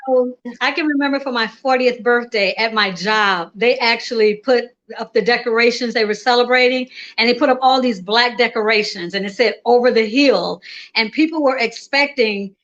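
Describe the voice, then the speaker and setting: Woman in her sixties, a bit high-pitched, confident and emphatic, dull recording. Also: normal speed, a bit bright. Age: 60s. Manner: bold, upbeat, emphatic. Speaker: women's confidence coach, guest. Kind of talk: casual interview chat.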